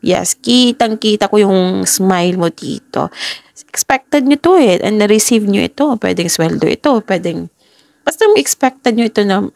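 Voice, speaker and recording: A woman's voice: mid-range voice, expressive, creaky, a little mellow, dry recording. Chatty woman tarot reader with a cold. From Philippines. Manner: halting, pauses often, chatty and reassuring. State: stuffy with a cold. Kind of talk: casual tarot reading to camera.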